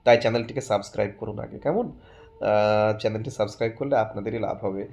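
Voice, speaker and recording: A man with a West Bengal Bengali accent teaching interview candidates in an informal spoken lesson, coaxing listeners and slowly repeating words to demonstrate pronunciation. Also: fairly low pitch, creaky, darkish tone. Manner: conversational and coaxing, often checks in with listeners.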